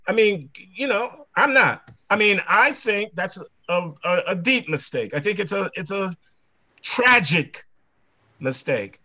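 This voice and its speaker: A man's voice: a little high, a bit bright, dry recording. A man speaking as a panelist in a discussion, talking emphatically with lots of restarts. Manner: emphatic, ranting, many restarts.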